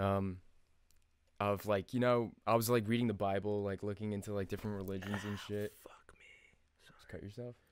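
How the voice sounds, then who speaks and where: Fairly low in pitch and monotone, a man with an American accent speaks at a moderate pace, his intonation flat and the sound dry with no echo. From New Jersey. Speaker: dental student; podcast co-host. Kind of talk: casual storytelling. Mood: relaxed, joking. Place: home room. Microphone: studio mic.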